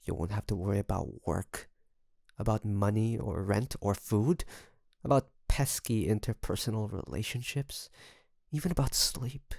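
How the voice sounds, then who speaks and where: A man playing an obsessive, doting kidnapper best friend in an intimate audio roleplay, creaky, coaxing and teasing with soft menace. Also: lowish voice, dry recording, clean studio sound. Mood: doting, controlling. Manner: softly menacing, coaxing, teasing, with drawn-out phrases.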